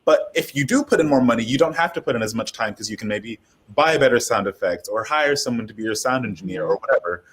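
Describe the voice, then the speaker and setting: A man's voice: mid-range voice, expressive, fast, fairly bright tone, husky. A man speaking as an audio drama creator on a casual panel, explaining at length with many asides.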